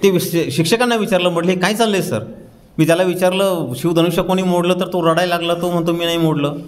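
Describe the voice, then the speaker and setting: A man's voice: high voice, steady tone, fast, a little hiss or hum. A man giving a humorous public lecture, telling anecdotes and dropping his voice to mimic the people in them. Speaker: guest speaker. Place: library hall.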